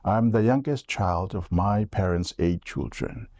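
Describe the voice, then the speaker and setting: A man in his forties from Tonga, giving a measured, earnest prepared campaign statement as a political candidate. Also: on the low side, darkish tone, no echo, clean studio sound.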